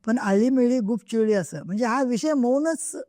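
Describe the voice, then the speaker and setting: A woman's voice: a little high, moderate pace, mellow, dry recording, studio quality. A middle-aged woman author answering interview questions, earnest and emphatic, often repeating her points for stress. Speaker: guest author. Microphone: podcast microphone.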